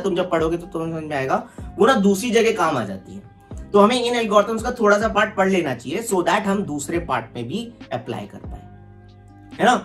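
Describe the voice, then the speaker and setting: A young man with an Indian accent teaching coding in a casual, explanatory way, often checking in with the viewer. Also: high voice. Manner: explanatory, keeps adding "है ना" checks to the listener; addresses the viewer informally as "तुम". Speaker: coding instructor. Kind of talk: casual tutorial talk, switching between Hindi and English.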